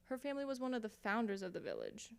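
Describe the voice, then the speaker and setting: An actress playing a helpful, earnest village sheriff in a radio mystery play. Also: female voice, a little high, wildly swooping pitch, quick pace, gravelly, clear, resonant tone, full character voice. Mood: obliging. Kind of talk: old-time radio mystery acting.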